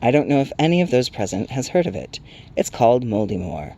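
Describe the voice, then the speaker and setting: A man's voice: mid-range voice, sing-song, a little fast, warm tone. A man voicing a timid, easily embarrassed little will-o'-the-wisp spirit with a nervous, hesitant manner.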